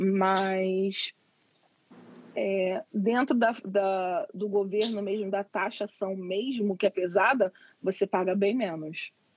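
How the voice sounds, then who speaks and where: Delivery comes at a very slow pace with fairly even intonation. The sound is dry and close, with no echo. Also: woman, medium pitch for a woman. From Brazil, Caxias. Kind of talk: interview.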